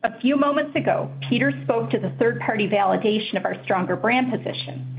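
A woman reporting a company's financial results on an earnings call in a measured, formal, scripted way. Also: fairly high pitch, gravelly, lo-fi sound, slight background noise. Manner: measured, formal reading of figures.

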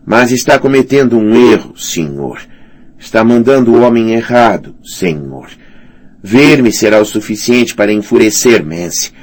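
A man's voice: lowish voice, expressive, unhurried, voice pushed up. A man voicing a trapped young man who speaks in a tight, dry, lifeless voice. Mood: tense. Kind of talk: audiobook character reading.

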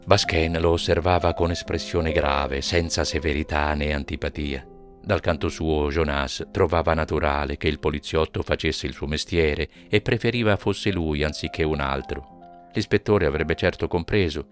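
Deep-voiced male audiobook narrator. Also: moderate pace, faint music behind. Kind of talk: scripted narration.

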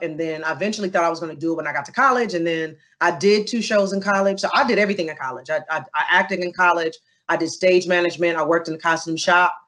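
Expressive woman telling stories in an interview. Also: lowish voice. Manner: animated, expressive storytelling with asides to the listener. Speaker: interview guest. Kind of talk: casual interview conversation.

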